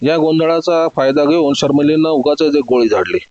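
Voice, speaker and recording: A man's voice: on the high side, brisk, a little mellow, no room sound, highs cut off. Man reading a detective story. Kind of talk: scripted narration of a detective story.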